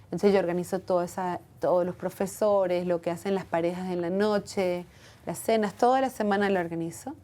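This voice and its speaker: A woman's voice: on the low side, fairly even intonation, fairly quick, dark tone. A woman speaking earnestly and reflectively as a guest in a personal interview. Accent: foreign accent when speaking Hebrew. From from outside Israel.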